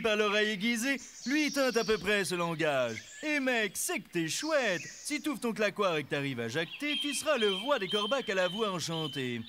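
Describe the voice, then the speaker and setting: An actor playing a street-wise storyteller reciting a comic fable with mock solemnity and thick slang. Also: male voice, high voice. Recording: outdoor background noise with birdsong.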